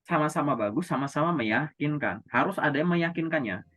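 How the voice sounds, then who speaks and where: A man's voice: a little high, animated, brisk, fairly bright tone, faint music behind. A man coaching job seekers in a casual, conversational way, asking and answering his own questions. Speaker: career coach.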